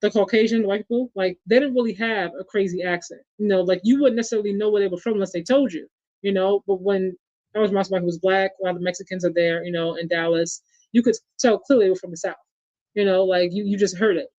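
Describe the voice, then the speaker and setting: High-pitched and fast, his voice is a little mellow with fairly even intonation and no echo. The New York podcast host chats casually about sports, addressing listeners as "y'all" and reading their comments out loud, all in dull lo-fi audio.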